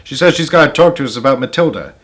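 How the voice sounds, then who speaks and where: A man voicing a boorish middle-aged father in a storybook, irritable, gruff and dismissive. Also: medium pitch, lively intonation, quick pace, a bit bright, voice pushed up, close to an everyday voice. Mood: grudging. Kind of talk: storybook read-aloud character voice.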